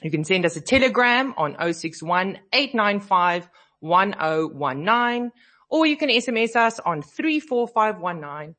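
A woman from South Africa chats casually on her radio show from the studio, her mid-range, fairly bright voice moving at a measured pace with lively intonation. A cold leaves her a little scratchy, and she seems somewhat sleepy but laughs readily.

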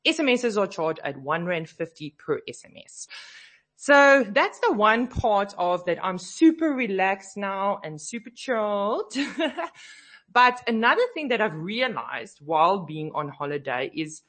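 A woman's voice: medium pitch, sing-song, measured pace, a bit bright. A woman hosting a radio show, chatting casually and a bit sleepy, her voice slightly scratchy from a cold. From South Africa. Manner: chatty, sleepy, laughs easily. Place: radio studio.

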